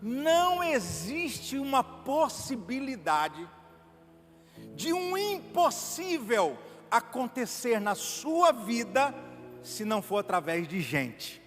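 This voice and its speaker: A man's voice: very high-pitched, very animated, takes it slowly, fairly bright tone. A Brazilian man preaching a sermon as a pastor in a church, emphatic and pulling the congregation into call-and-response. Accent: Brazilian Portuguese. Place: church sanctuary. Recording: reverberant church hall with faint music.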